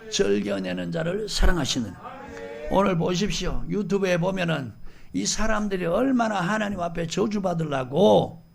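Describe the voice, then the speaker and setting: A man's voice: high-pitched, gravelly. A male pastor preaching a fervent, scolding sermon, firing rhetorical questions at his congregation.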